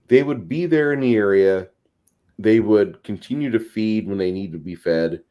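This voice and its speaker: On a casual tabletop gaming discussion panel, a man explains things at length using wordy, somewhat formal phrasing. His voice is lowish and his speed normal, captured in dull audio.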